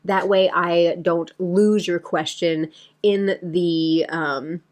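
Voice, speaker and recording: A woman's voice: lowish voice, fairly even intonation, slow pace. A woman talking casually to her viewers as a beauty vlogger, in a chatty, rambling way that addresses them directly. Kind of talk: casual chatty vlog to camera.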